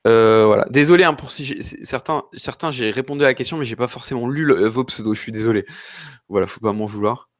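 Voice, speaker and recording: A man's voice: mid-range voice, fast talker, dry recording, clean studio sound. A man from France hosting a live question-and-answer stream, talking in a rambling, hesitant and apologetic way while a little ill with an occasional cough. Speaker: host answering viewer questions.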